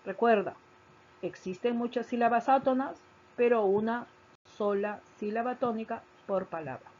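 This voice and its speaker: A woman teacher giving a recorded grammar lesson, explaining slowly, stressing key syllables and repeating her points. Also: on the high side, darkish tone. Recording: dull lo-fi recording.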